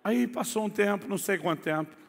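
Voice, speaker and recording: Brazilian pastor, middle-aged man, comic sermon story, high-pitched, lively delivery, echoey church hall. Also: brisk, creaky. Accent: Brazilian Portuguese. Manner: animated, swings from quiet asides to near-shouting.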